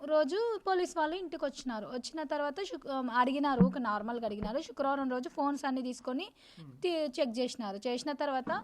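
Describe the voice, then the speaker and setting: A woman, talking in an interview, rapid and insistent, repeating herself as she tells what happened. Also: high voice, a little hiss or hum. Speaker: victim's sister interviewed. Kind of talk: emotional interview testimony.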